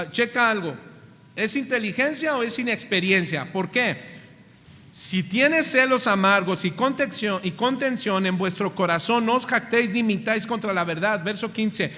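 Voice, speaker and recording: Pastor mexicano de voz aguda y brillante. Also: male voice, high-pitched, pushed and bright. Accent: Mexican Spanish. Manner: preaching with questions to the congregation, slowing on key words. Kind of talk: sermon. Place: church hall. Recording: church hall reverb.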